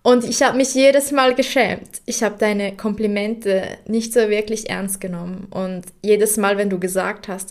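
A young woman speaks an unscripted, heartfelt podcast monologue, addressing her late grandfather directly. Her voice sits in an ordinary middle pitch. She talks softly and reflectively, now and then sinking almost to a whisper. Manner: soft and reflective, sometimes dropping to a near whisper. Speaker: podcast host.

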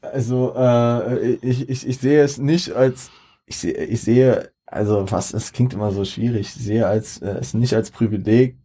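A young man co-hosts a loose podcast conversation, circling his points with frequent restarts and fillers. His voice has a dark, mellow tone. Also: medium pitch, steady tone, unhurried, slightly rough. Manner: rambling, many restarts and fillers. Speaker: podcast co-host. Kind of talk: casual chat about rap.

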